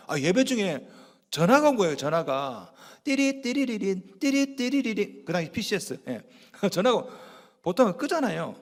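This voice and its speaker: A man preaching a sermon as a pastor, telling stories in a lively way and acting out the quotes. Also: high voice. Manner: animated storytelling with acted-out quotes. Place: church sanctuary. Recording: long reverb of a church hall.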